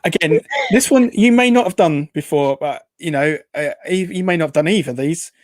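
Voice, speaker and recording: A man's voice: on the high side, fairly quick, no room sound. A man hosting a casual interview, hesitant and rambling, who says w for r. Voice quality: weak r sounds, says w for r. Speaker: host.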